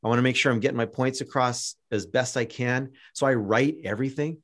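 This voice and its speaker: A Canadian man hosts a podcast in relaxed conversation. He rambles, circles back on his own words and stumbles through restarts, yet keeps the tone upbeat and encouraging. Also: mid-range voice, a little fast. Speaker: podcast host. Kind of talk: casual interview chat.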